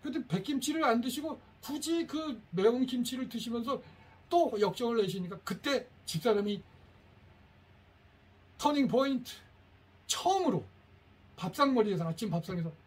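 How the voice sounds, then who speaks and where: A middle-aged man, a teacher, giving a lively workshop to parents and coaxing the audience to repeat phrases after him. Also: very high voice, moderate pace, long pauses, husky.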